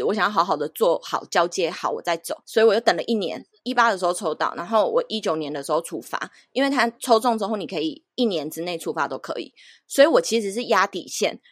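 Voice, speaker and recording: A woman in her thirties with a Taiwanese Mandarin accent, a podcast guest telling travel stories in a lively, animated way. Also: on the low side, no room sound, studio quality. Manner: animated anecdote-telling, acts out the people she quotes. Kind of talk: casual storytelling interview.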